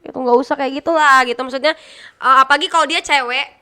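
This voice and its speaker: A woman's voice: high voice, steady tone, fast, sharp tone. A young woman, a gaming caster chatting bluntly as a podcast guest. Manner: chatty, blunt, laughs often. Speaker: guest, esports caster and streamer. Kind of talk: casual podcast interview.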